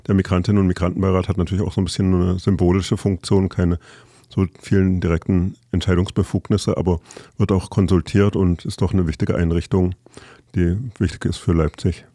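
Deep-voiced male radio host. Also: flat delivery, a little fast, mellow, no echo, studio quality. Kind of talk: community radio interview.

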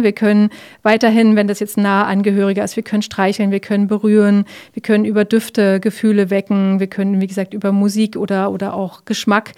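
A woman giving calm, explanatory answers in an interview, with frequent fillers and tag questions. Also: medium pitch.

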